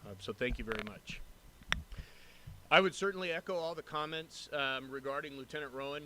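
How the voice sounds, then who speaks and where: A man speaking as a police captain, giving earnest, measured formal remarks at a public meeting. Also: on the high side. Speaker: police captain introducing a new lieutenant. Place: city council chamber. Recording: noticeable background noise, room ambience.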